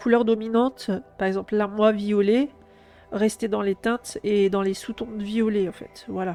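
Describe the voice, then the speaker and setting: A woman at a medium pitch with monotone, flat intonation, music in the background. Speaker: coloring tutorial creator. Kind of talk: tutorial. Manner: casual, hesitant with many euh.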